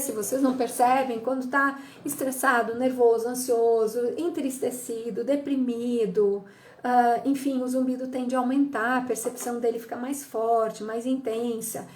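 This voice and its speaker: With a high, somewhat mellow voice, a middle-aged woman from Brazil explains the causes of ringing in the ears as an audiologist and psychologist. Her manner is instructive, peppered with "tá?" check-ins and reenactments of what patients tell her.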